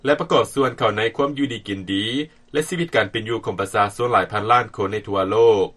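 A man's voice: lowish voice, fast, a bit bright, breathy edge. A man with a Lao accent reading a scripted news report as a radio reporter.

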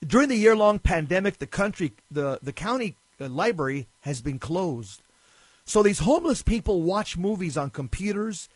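Male Catholic talk host, earnest and preachy, a little high-pitched, dry close sound. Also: no echo, low-quality recording. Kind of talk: religious talk, reading and commenting on articles.

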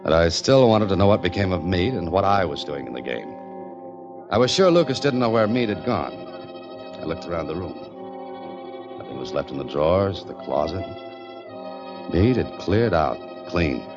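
Deep, dry-witted 1940s detective narrating, lo-fi radio sound. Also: male voice, very animated, moderate pace, long pauses. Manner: dry, wry, hard-boiled narration. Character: wisecracking male detective narrator. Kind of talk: 1940s radio drama acting. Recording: dull lo-fi old radio with faint music.

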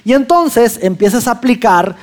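A man with a Mexican accent telling a lively personal anecdote to an audience, acting out his own lines as he goes. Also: very high voice, normal speed.

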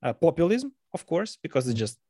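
A man from Russia, hosting an interview and asking questions haltingly, often restarting. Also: on the high side, sing-song, mellow, no echo, clean studio sound. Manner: halting, many restarts and fillers. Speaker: podcast host. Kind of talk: casual interview chat.

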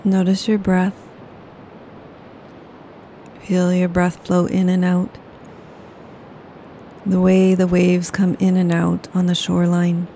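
Soft, low-voiced woman guiding meditation. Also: completely flat delivery, slight background noise. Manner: slow, soothing, unhurried. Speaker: yoga nidra guide. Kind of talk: guided meditation.

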